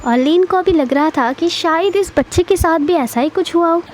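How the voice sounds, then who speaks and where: A woman narrating a drama recap in a lively, casual storytelling manner. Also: very high voice, moderate pace, a little hiss or hum.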